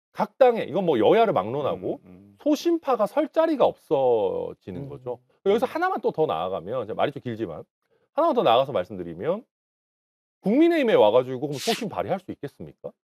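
A man speaks with an animated tone at a fairly quick pace. The background is quiet. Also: big swings in loudness. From South Korea. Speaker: politician. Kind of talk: political talk show debate. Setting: studio. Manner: humorous, animated. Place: studio. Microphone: lapel.

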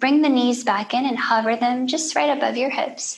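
Speaking at a fairly slow pace, a woman uses a high pitch. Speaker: yoga instructor. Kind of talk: guided exercise instruction. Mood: calm, encouraging. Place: home room.

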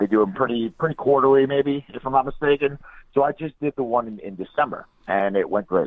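The speaker is a man with a medium pitch. He talks very fast. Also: ordinary pitch variation. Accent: New York. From Brooklyn, New York. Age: 20s. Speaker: professional wrestler. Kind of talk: casual interview.

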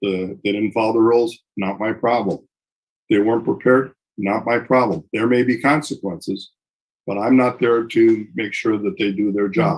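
With an Upper Midwest accent, a man talks at a moderate pace. His pitch varies in an ordinary way against a quiet background. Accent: Upper Midwest American. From US Midwest, Wisconsin (Milwaukee area). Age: 70s. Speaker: retired judge. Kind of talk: interview conversation. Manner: halting, many fillers. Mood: firm, matter-of-fact. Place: home room. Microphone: webcam.

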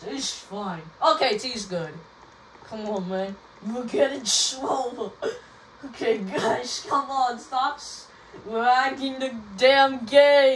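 A woman speaks very slowly in a high voice with lively intonation. Light background noise is present. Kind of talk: casual gameplay commentary. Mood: mildly frustrated at lag. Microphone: phone near.

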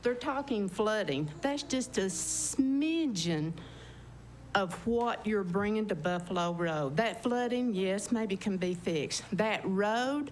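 In an East Tennessee accent, a woman at medium pitch speaks at a very slow pace with lively intonation and very even loudness, her voice carrying audible room echo. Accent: Southern US (East Tennessee). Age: 70s. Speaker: resident speaking at public hearing. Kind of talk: public comment at county meeting. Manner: animated.

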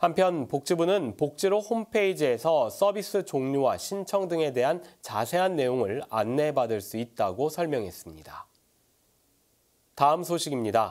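Against a quiet background, the speaker moves at a fairly slow pace, and the pitch swings very widely. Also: man. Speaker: news anchor. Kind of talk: news reading. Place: studio. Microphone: lapel.

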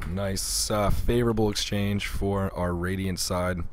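Noticeable background noise sits behind a man speaking at a fairly slow pace. His pitch is fairly low, with ordinary variation. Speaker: esports caster. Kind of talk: live commentary. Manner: animated.

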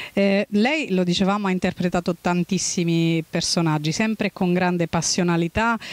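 At a moderate pace and hardly pausing, a woman speaks at medium pitch with very even loudness and fairly even intonation, the sound dry with no echo. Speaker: interviewer. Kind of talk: interview question. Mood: warm, polite. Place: garden. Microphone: handheld.

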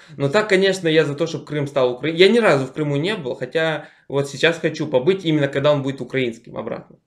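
Over a quiet background, a man with a fairly high voice talks very fast with hardly any pauses and ordinary pitch variation. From Chernivtsi region, western Ukraine (Carpathian); Ukraine. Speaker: prank video blogger. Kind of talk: prank video chat. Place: home room. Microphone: video call.

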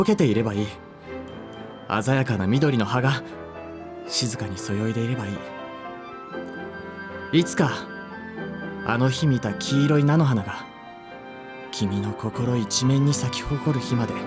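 Over clear background music, a man talks at a moderate pace with ordinary pitch variation and long, frequent pauses. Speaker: voice actor. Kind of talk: bedtime short story reading. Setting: studio. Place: studio.

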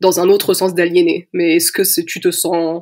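Using a plain, everyday voice, a woman talks fairly slowly at a medium pitch, her intonation fairly even. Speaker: podcast host. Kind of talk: interview.

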